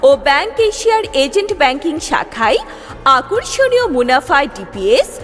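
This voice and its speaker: A woman reading a street loudspeaker advertisement in a lively, declamatory announcing manner. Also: high voice, normal speed. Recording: long reverb with music bed. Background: music.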